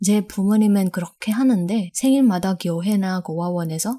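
In a very clean recording with a silent background, a woman speaks at a moderate pace and medium pitch, her tone dark and mellow, somewhat breathy, with ordinary pitch variation. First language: not Korean (Korean learner) (speaking Korean). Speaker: podcast co-host. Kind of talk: casual chat.

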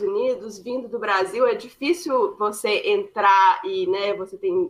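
At a fairly slow pace, a woman speaks with a high pitch. Her pitch swings very widely. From Brazil, Belo Horizonte. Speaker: startup banker. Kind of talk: interview.

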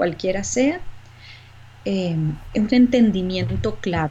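Speaking at a very slow pace, a woman uses lively intonation, and her dark, mellow tone is somewhat breathy. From Venezuela. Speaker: real estate broker. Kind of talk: interview.

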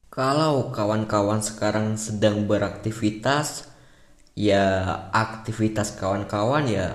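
Audible room echo surrounds a man who speaks very slowly at a fairly low pitch with fairly even intonation. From Java, Indonesia (Madurese-influenced). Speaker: podcast host, storyteller. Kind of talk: casual storytelling monologue. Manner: casual, conversational.

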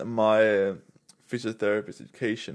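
Captured on a very clean recording with a silent background, a man speaks with a Danish accent. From Denmark. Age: 20s. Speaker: podcast host, physiotherapist. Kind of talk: solo podcast monologue, casual. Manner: halting, fumbling for words, casual.

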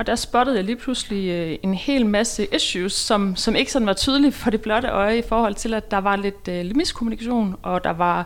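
Here is a woman at medium pitch. She uses an ordinary speaking voice at a moderate pace. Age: 40s. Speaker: business coach and HR consultant. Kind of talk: interview.

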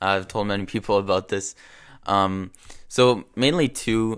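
A man with a Canadian accent and a fairly low pitch, at a moderate pace, on a very clean recording with a silent background. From Toronto, Canada. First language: French. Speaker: university student. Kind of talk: interview answers, casual.

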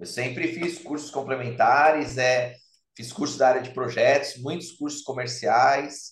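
Speaking at a fairly slow pace, a man uses a somewhat breathy, fairly high-pitched voice with ordinary pitch variation. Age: 50s. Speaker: entrepreneur and business consultant. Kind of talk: casual interview chat.

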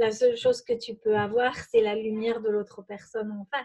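The voice belongs to a woman whose intonation is fairly even. She talks at a fairly slow pace. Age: 40s. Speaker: podcast host. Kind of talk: casual chat. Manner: halting.

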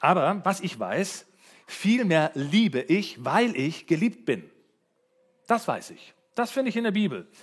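Speaking at a very slow pace with long, frequent pauses, a high-pitched man uses lively intonation, a relaxed tone and big swings in loudness. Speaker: pastor. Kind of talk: sermon to a church congregation. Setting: church with a live congregation. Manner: conversational, asks the audience questions; informal, relaxed, with humour and filler words.

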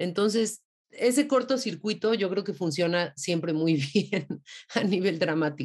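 A woman with an ordinary speaking voice talks at a moderate pace with lively intonation against a quiet background. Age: 40s. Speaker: actress. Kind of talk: interview.

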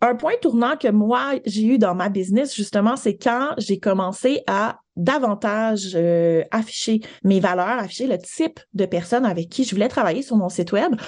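A woman with a strong Quebec accent speaks at a fairly slow pace. Her pitch is fairly high and her intonation lively. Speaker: entrepreneur and podcaster. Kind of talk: interview.

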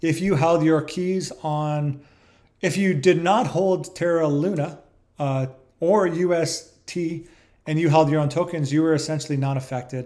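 This man has a Canadian accent and a fairly high pitch. His tone is dark and mellow, with fairly even intonation. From Canada (Ontario). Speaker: crypto podcast host. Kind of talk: solo news commentary podcast.

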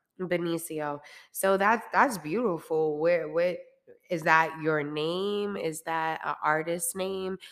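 In a very clean recording with a silent background, a woman with an American accent and a normal speaking voice talks at a fairly slow pace, her fairly low pitch showing ordinary pitch variation. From New York City, Harlem. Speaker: podcast host and singer. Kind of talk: casual interview chat.

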